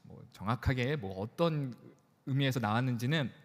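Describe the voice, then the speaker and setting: A man's voice: mid-range voice, lively intonation, moderate pace. A man in his thirties, a pastor preaching to young adults in a conversational, joking way, in a church. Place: church sanctuary. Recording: church hall reverb.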